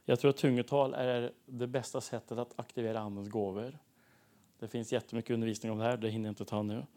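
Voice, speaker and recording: A man preaching and telling testimony stories in a lively way, acting out the dialogue of the people in them. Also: medium pitch. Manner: animated, acts out dialogue in stories. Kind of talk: sermon testimony storytelling.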